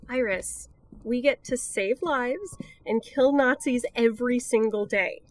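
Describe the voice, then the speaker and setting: A woman's voice: a little high, slow pace. A woman playing a cocky, thrill-loving wartime spy in an audio drama, with a teasing, breezy manner. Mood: cocky, playful.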